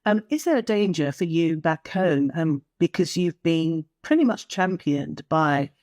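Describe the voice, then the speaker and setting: A woman hosting a news interview, asking probing questions with soft hesitations. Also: sits low, expressive, measured pace, no room sound, clean studio sound. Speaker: interviewer, host.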